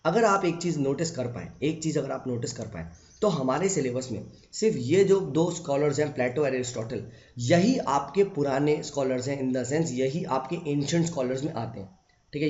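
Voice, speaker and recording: In an online exam-prep lecture, a male teacher blends English phrases into his Hindi, poses rhetorical questions and repeats himself, then goes low and quiet when giving the answers. The recording is lo-fi, dull and echoey, made in a room.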